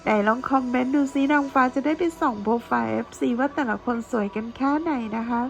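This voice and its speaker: A woman's voice: high-pitched, a little fast, creaky, low-quality recording. A woman giving a chatty tarot reading to her viewers, playful and gushing, full of teasing praise. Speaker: tarot reader.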